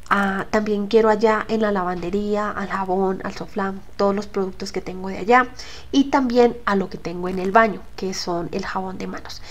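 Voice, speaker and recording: A young Colombian woman, a home vlogger, narrates her kitchen organizing in a casual, chatty voice-over packed with asides and fillers. Her voice is medium in pitch.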